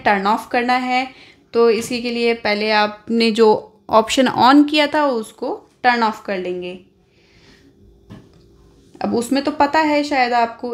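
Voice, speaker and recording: An Indian woman hosting an informal phone tutorial, explaining step by step and often adding little check-in tags. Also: fairly high pitch. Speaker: tech tutorial host.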